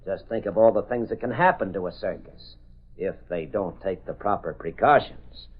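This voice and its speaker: An actor playing a smooth-talking, threatening male racketeer in a 1930s radio drama. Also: sits low, normal speed. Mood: menacing. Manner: tough, threatening gangster talk. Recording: tinny old radio broadcast.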